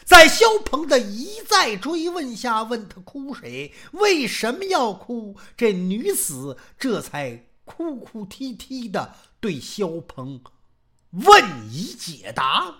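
A woman storyteller performing a traditional martial tale with animated delivery and jokey asides to the listeners. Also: a little high, slow.

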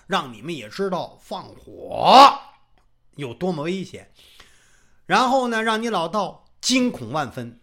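A male storyteller narrating in a traditional style, animated and emphatic with drawn-out phrases. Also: high-pitched.

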